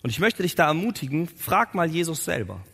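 Male preacher, lively storyteller, forceful tone, reverberant church hall. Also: a little high, brisk, vocal fry, husky. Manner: animated storytelling, conversational. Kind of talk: sermon.

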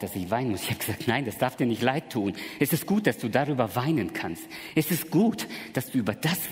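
A middle-aged man preaching a sermon in a church, with emphatic delivery that swings from soft to loud. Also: medium pitch. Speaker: pastor. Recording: long reverb of a hall.

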